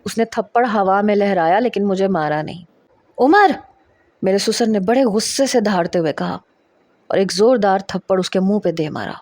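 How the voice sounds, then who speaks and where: A woman reads a first-person romance story in a measured, feeling voice. Her pitch sits in an ordinary middle range. The recording is dry and close. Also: a little mellow, no echo.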